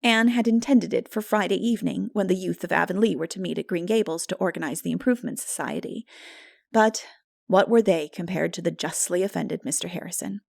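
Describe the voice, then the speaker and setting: A woman's voice: on the low side, brisk, gravelly, dry recording, studio quality. A woman reading a classic novel aloud as a scripted dramatic audiobook narration.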